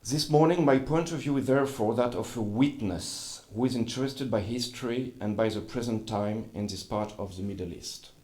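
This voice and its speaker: A man with a French accent giving a formal conference talk in a second language, slightly halting. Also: medium pitch, darkish tone. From France. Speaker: journalist and scholar speaking at a conference.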